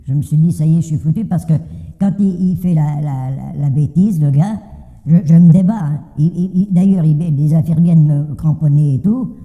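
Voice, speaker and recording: An older man with a fairly high voice speaks at normal speed, giving an anonymous personal testimony in a plain, colloquial way and often hesitantly repeating words. The recording is very muffled and echoes like a hall.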